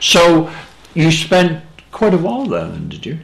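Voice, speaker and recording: Noticeable background noise sits behind speech at a fairly slow pace. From Devon. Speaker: interviewer. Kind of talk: casual interview.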